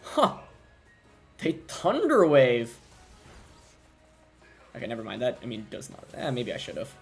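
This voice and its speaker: At a measured pace, a young man with a gravelly voice narrates his own competitive match live, thinking aloud and questioning every move. His pitch moves about lively, and quiet music runs under his desk-mic commentary.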